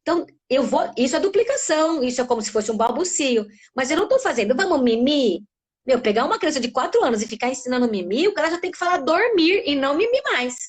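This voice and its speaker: A middle-aged Brazilian speech therapist gives an animated talk in a live webinar, acting out sounds with her voice. Her voice sits high, and she speaks fast with few pauses.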